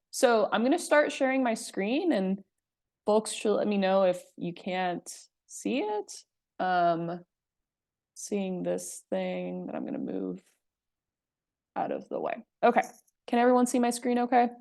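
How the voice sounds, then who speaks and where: A woman's voice: mid-range voice, vocal fry, a little mellow. A woman from Puerto Rico leading a workshop on a video call in a friendly way, with frequent "um" fillers. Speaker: presenter and workshop facilitator. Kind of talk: casual presentation on a video call.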